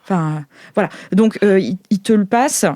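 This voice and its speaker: A woman narrating a tabletop role-playing game as game master, halting and thinking aloud as she improvises. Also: mid-range voice, mellow, dry recording, clean studio sound.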